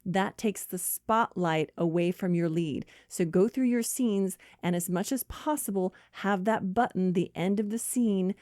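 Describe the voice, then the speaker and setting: Casual screenwriting teacher with a mellow voice. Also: female voice, medium pitch, measured pace, hardly any pauses, no room sound, studio quality. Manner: explanatory, listing points, casual. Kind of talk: instructional talk.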